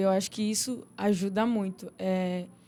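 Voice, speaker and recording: A woman speaks at a fairly slow pace. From São Paulo state interior. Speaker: football player. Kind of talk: post-match interview.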